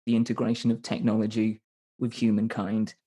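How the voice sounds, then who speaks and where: A man's voice: fairly low pitch, monotone, a little fast, dark tone. A man in his thirties from Northern England with a Northern English accent, a podcast guest talking in a loose, rambling way with frequent restarts. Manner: rambling, self-correcting, with frequent restarts and hedges. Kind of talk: casual conversational interview.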